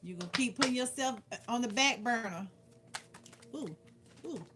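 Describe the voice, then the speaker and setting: A woman's voice: on the high side, lively intonation, normal speed, music in the background. A woman doing a casual livestream card reading, giving playful, blunt advice and repeating phrases for emphasis. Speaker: tarot card reader and livestream host. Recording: clearly noisy background with clicks.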